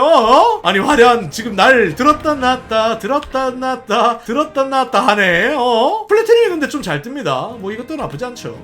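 A high-voiced game host who swings up and down in pitch, talking casually to viewers as they play. Excitable, laughing a lot and begging the game for luck, with faint music underneath. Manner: talks directly to viewers. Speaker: gaming channel host. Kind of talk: casual gameplay commentary.

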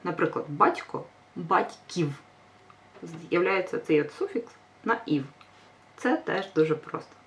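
A woman's voice: on the low side, expressive, measured pace, pauses often. A woman teacher giving a grammar lesson, patient and reassuring, stressing each example word. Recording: voice a bit far from mic.

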